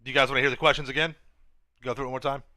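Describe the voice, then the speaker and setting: A man hosting a livestream, giving casual, halting, informal commentary with some swearing. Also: mid-range voice, little pitch movement, pushed and bright, no echo. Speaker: livestream host.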